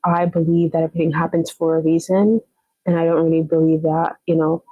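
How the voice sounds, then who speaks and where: A woman's voice: low-pitched, little pitch movement, brisk, dry recording, narrow, tinny audio. A woman from Jamaica, hosting a casual motivational live chat, encouraging her viewers and often repeating herself to check in with them. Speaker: live stream host.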